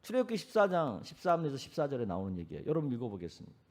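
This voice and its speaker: Lively, animated man preaching. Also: medium pitch, rapid-fire. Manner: conversational, animated preaching with rhetorical questions. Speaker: senior pastor. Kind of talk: sermon.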